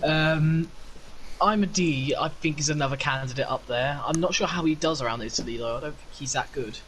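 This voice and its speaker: A man's voice: a little high, fairly quick, fairly bright tone, a little hiss or hum, rough recording. A man hosting a casual racing podcast, chatty and teasing, laughing often. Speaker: podcast host.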